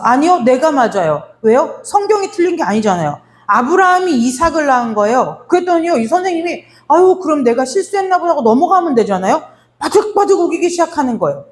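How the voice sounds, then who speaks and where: Animated woman preaching a sermon. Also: sits high. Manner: storytelling with acted-out dialogue; direct address to the congregation. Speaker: pastor.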